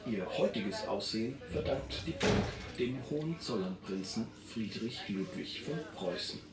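A recorded tour announcer reading sightseeing commentary over a boat's loudspeaker. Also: medium pitch, expressive, drawn-out words, over a noisy crowd. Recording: boat loudspeaker, far, echoey, with diners.

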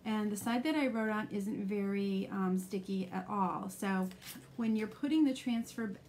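Middle-aged woman, live craft tutorial host, mid-pitched, chatty step-by-step explainer, faint room hum. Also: measured pace, darkish tone. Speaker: craft demonstrator.

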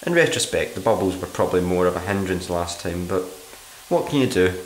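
A man playing a sullen, sardonic writer narrating his diary in a black comedy radio play, dry and deadpan. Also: low voice, brisk. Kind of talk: dramatic monologue, diary narration in a black comedy audio drama. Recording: roomy echo with background noise.

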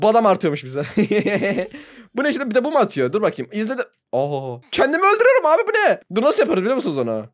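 A young man commenting on a game as he plays with friends, excitable, laughing often and shrieking when surprised. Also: sits high. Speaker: gaming YouTuber. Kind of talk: let's play commentary.

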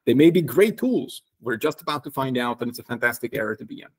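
A man in his forties, a consultant guest on a video call, explaining his views in a measured, thoughtful way. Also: medium pitch, animated. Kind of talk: interview discussion.

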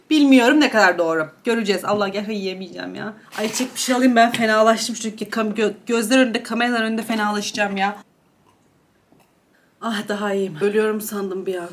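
A woman's voice: fairly high pitch, a bit bright. A young woman chatting casually while eating on camera, gossiping and gushing about celebrity outfits. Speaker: beauty and gossip YouTuber. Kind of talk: casual mukbang chat reviewing celebrity outfits.

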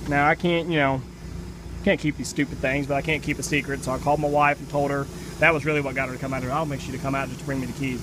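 A man talking casually and plainly, with mild cursing, as he vlogs on a phone outdoors at a work site as an excavator operator. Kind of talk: casual unscripted vlog narration. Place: outdoors at a land-clearing site and in an open excavator cab. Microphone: handheld phone. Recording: loud engine and outdoor machinery noise. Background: vehicle engine rumble and outdoor noise.

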